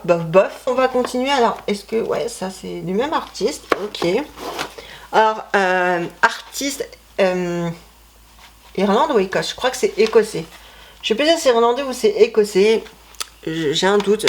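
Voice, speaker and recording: A woman's voice: medium pitch, a little hiss or hum. Chatty rambling woman vlogger. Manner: chatty, rambling, self-correcting with many fillers. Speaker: vlogger showing her CD collection. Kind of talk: casual chat.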